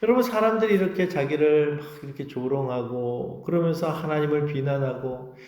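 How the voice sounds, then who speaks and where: A man's voice: a little high, a little fast, darkish tone, reverberant. A male pastor preaching a sermon with passion, often voicing prayers aloud in the first person.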